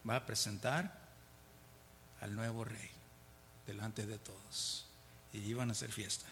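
This man's voice sits on the low side, with fairly even intonation, a measured pace, and a fairly bright tone. Teaching a Bible study conversationally in a reverberant hall, he reads verses aloud, explains them, often asks "¿verdad?" and chuckles between points. A little hiss or hum is audible.

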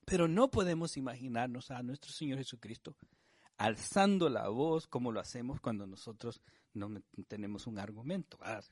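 A man delivering a sermon in a relaxed, conversational teaching style, often checking in with his listeners through short tag questions. His voice sits in an ordinary middle register, and he slows down and presses on the words when he reads scripture. The recording is close and dry, with almost no room sound. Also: medium pitch, slightly rough, no room sound. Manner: reads scripture slowly and with emphasis. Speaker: preacher. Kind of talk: sermon, Bible study teaching.

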